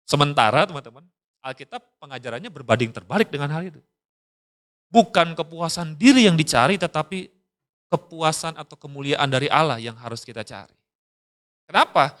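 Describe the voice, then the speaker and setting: A man's voice: high voice, a bit bright. A middle-aged man, preaching a casual, slangy youth sermon and acting out quoted voices. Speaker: youth pastor.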